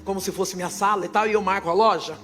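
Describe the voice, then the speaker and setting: A woman pastor giving her testimony in church, her fervent preaching swelling into loud proclaiming. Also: medium pitch, fairly even intonation, fast, faint music behind.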